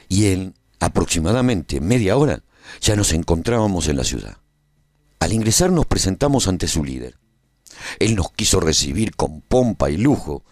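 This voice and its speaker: A man playing a post-apocalyptic traveller who narrates a scripted radio drama in a measured, solemn way. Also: sits low, a little mellow, no room sound, clean studio sound, exaggerated voice. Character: male post-apocalyptic traveller recounting a war story gravely.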